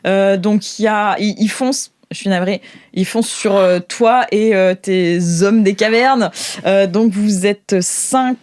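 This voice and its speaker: A woman with a French accent improvising narration as game master of a sci-fi tabletop game, informal and descriptive, halting as she searches for words. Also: medium pitch, a little mellow, no room sound.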